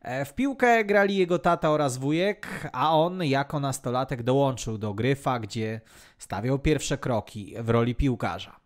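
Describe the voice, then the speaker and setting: A man's voice: medium pitch, a little slow. A man, narrating as a podcast host in a scripted style.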